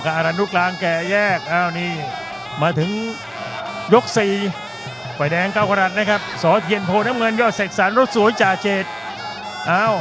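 A man giving excited boxing commentary, exclaiming and repeating short urgent phrases. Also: sits high, normal speed. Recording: loud music and crowd behind. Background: loud crowd and music at a televised fight.

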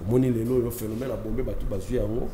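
A man's voice: mid-range voice, steady tone, quick pace, roomy sound, background noise. A Congolese man in his thirties, a studio guest speaking as an opinion leader, talking with emphatic force and switching between French and Lingala. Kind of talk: impassioned studio talk show discussion.

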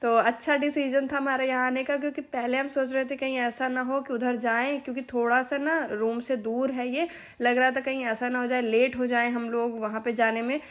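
Woman vlogger, 30s, Hindi accent, high voice, chatty step-by-step phone narration. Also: level tone, moderate pace. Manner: chatty, explains step by step to viewers. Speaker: family vlogger. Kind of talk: casual vlog narration.

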